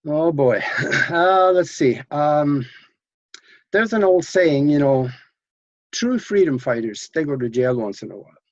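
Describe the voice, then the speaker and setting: A man's voice: on the high side, lively intonation, a little slow, pauses often, no echo. Older Norway-born male guest, rambling with hesitations, dry and somewhat muffled audio. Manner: rambling, many fillers and restarts. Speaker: interview guest. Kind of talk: casual interview storytelling.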